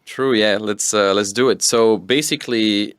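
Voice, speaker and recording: A young man from Tunisia, telling his story as a guest in a relaxed, rambling way. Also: lowish voice, normal speed, clear, resonant tone, no room sound, studio quality. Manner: relaxed, rambling with fillers and restarts. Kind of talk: casual interview storytelling.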